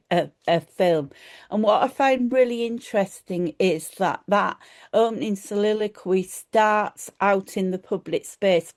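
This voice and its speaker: Slow-speaking Yorkshire woman lecturing. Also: medium pitch, a little mellow. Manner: chatty, lots of ums and self-restarts. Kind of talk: academic lecture.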